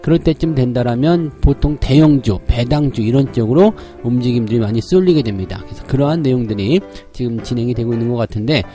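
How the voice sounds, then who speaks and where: A man with a slightly hoarse voice giving a daily stock market briefing, explaining each point step by step. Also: mid-range voice, warm tone. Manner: explanatory, frequent "자" openers.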